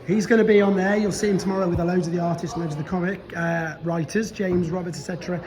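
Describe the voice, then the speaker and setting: A man's voice: high-pitched, steady tone, quick pace, a crowd in the background. A man chatting casually as he films a walk-around vlog of a convention venue, rambling with many restarts and losing his voice. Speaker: toy vlogger.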